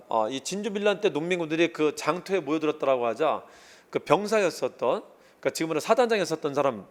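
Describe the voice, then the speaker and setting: Fast, animated male history lecturer. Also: fairly high pitch. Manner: animated, casual, acts out quoted lines. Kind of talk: exam-prep lecture.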